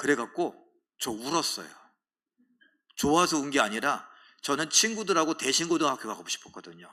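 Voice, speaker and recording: With long, frequent pauses, a man speaks at a fairly high pitch in a bright, sharp tone, his intonation lively against a quiet background. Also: moderate pace. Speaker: pastor. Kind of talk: sermon. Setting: church. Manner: conversational, anecdotal.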